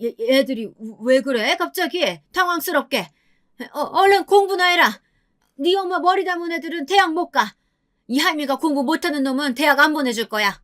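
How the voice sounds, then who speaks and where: A woman's voice: high voice, normal speed, a bit bright, pitched above the performer's own voice. A woman doing a harsh old mother-in-law. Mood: flustered. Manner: scolding, contemptuous.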